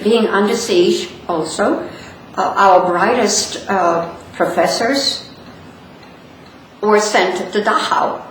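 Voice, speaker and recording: An older woman from Poland with a Polish accent, telling stories and reflecting in an interview, halting and repeating phrases for emphasis. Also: medium pitch. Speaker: interviewee, speaker on Holocaust education. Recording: very echoey room, distant mic, light noise.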